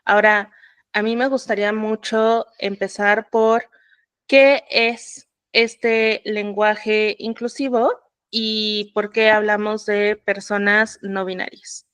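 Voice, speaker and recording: A woman hosts a podcast conversation, asking her guest questions in a friendly, chatty tone. Her voice sits at a middle pitch and sounds smooth, recorded close with a dry, roomless sound. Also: level tone, takes it slowly, a bit bright, no echo. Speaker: podcast host.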